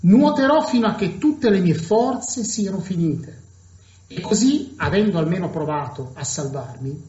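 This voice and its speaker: A small frog that refuses to give up speaks with calm resolve, as a preacher puts it on while telling a story in his sermon. The voice sits fairly high for a man and is carried in an echoey room on a dull, lo-fi recording. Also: unhurried. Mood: resolute. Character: determined optimistic frog, small, unyielding.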